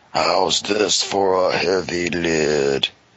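A man with a very deep, low voice talks against noticeable background noise. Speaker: podcast co-host. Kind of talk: casual comedic commentary chat. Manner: joking, sarcastic.

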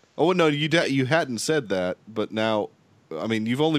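With a dry, close sound and no echo, a man speaks at medium pitch in an unremarkable speaking voice on a very clean recording with a silent background. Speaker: podcast co-host. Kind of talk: casual chat.

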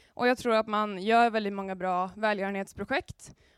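A woman with a plain, everyday voice speaks at medium pitch with ordinary pitch variation, captured in a very clean recording with a silent background and a dry, close sound with no echo. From Åtvidaberg, Östergötland, Sweden. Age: 20s. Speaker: politician and student teacher. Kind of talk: panel discussion. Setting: stage with audience in a church.

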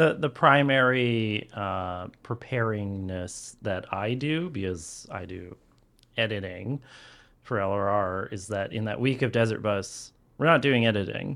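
Against a quiet background, a man with a plain, everyday voice and a fairly low pitch talks at a fairly slow pace with ordinary pitch variation. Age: 30s. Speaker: video editor. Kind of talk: casual chat.

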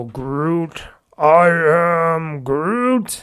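A put-on character voice at a middle pitch. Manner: simple, repetitive.

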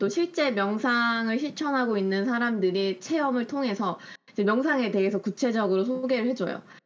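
A woman with a plain, everyday voice speaks at a moderate pace and a fairly high pitch with lively intonation. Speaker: co-host or guest on podcast.

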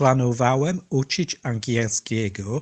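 A man talks very slowly in a dry, close recording with no echo. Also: quiet background. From England. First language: English (speaking Polish). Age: 60s. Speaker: language learner. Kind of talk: recorded message. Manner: halting.

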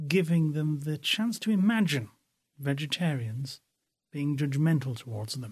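A man's somewhat breathy voice, fairly high in pitch. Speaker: podcast host. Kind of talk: podcast hosting, casual banter.

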